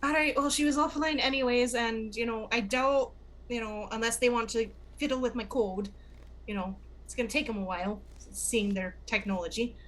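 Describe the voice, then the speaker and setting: A woman's voice: a little high, steady tone, normal speed, fairly bright tone. A woman playing a tabletop game, chatting and narrating what her character does. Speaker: player. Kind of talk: tabletop role-play chat.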